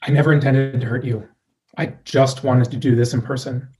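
Man voicing a calm placating ex, mid pitch, even manner. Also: normal speed, lightly acted. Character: calm, awkward man ending a relationship.

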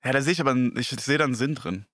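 A man's voice: mid-range voice, racing, a bit bright, dry recording, studio quality. A man, a comedian, talking in a casual podcast chat in crude slang and getting worked up as he rants. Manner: crude slangy rant, growing heated.

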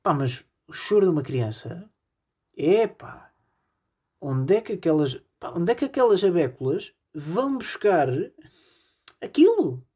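A man's voice: fairly high pitch, very animated, a little slow, darkish tone, slightly rough. A man with a European Portuguese accent hosting a solo comedy podcast, rambling in a self-deprecating way with constant fillers. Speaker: podcast host.

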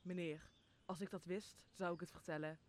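Casting: bewildered crewman played by a man, high youthful-sounding pitch, eager and earnest, for a radio play. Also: flat delivery, normal speed, a little hiss or hum, lightly acted. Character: excited, bewildered aircraft crewman. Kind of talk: stage-like radio drama acting.

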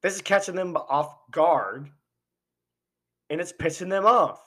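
A man's voice: sits high, expressive, a little slow, fairly bright tone. A man hosting a podcast, giving an impassioned political monologue full of rhetorical questions while he is losing his voice. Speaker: podcast host. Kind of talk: opinionated political commentary monologue.

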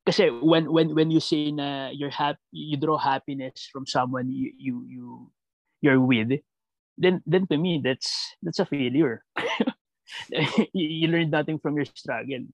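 A Filipino man answering reflectively in conversational Taglish, mixing Tagalog and English, halting and repeating words as he thinks aloud with a creaky voice. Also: on the high side, fairly even intonation, no echo, low-quality recording.

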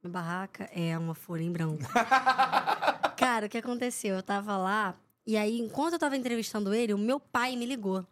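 With background noise present, a young woman talks at normal speed in a mid-range voice. The sports reporter is a podcast guest sharing anecdotes, animatedly acting out what others said.

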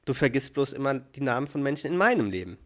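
An exasperated wife scolds her husband with sarcasm, read aloud by a man in his own mid-pitched voice. It is done without any real put-on voice, as a podcast read-through of a sitcom scene. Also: sing-song, fast, close to an everyday voice. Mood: scolding.

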